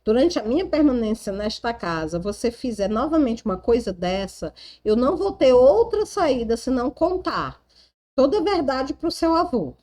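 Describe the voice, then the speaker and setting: A woman with a Brazilian Portuguese accent reading the angry, sharp retorts of an indignant young secretary in a storybook retelling. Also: fairly high pitch, big pitch swings, moderate pace. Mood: threatening.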